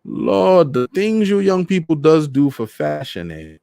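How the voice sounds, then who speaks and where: A man's voice: on the high side, very animated, unhurried, creaky, warm tone, smooth, no echo, clean studio sound, pitched above the performer's own voice, full character voice. A man voicing a lonely, cheerful old man from Trinidad, speaking in a lilting island dialect with a Trinidadian accent. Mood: delighted.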